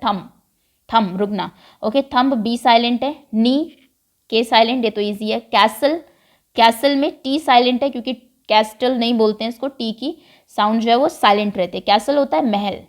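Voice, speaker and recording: Patient woman teaching English. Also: on the high side. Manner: mixes English phrases into Hindi explanation, patient. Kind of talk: explaining a worksheet to pupils.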